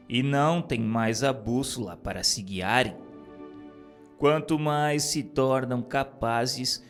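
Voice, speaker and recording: A man reading a script of spiritual messages in a solemn, measured, preacherly manner. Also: on the high side. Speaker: narrator. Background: music.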